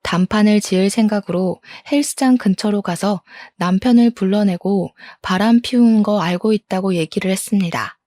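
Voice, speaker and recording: A woman's voice: mid-range voice, normal speed, few pauses, mellow, dry recording, studio quality. A woman narrating a first-person story about her marriage. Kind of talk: scripted narration of a true story.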